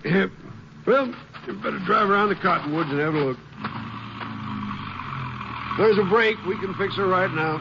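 A watchful, middle-aged rancher with a high-pitched voice. He is a practical western radio drama father who turns hot when crossed. The vintage recording is dull, with clear noise behind him. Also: moderate pace, pauses often. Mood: practical, puzzled. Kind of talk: old-time western radio drama acting.

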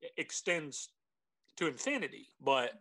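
Male podcast co-host, Southern American drawl, bright forceful tone, very animated delivery, casual banter. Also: mid-range voice, a little slow, creaky. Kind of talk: casual joking chat.

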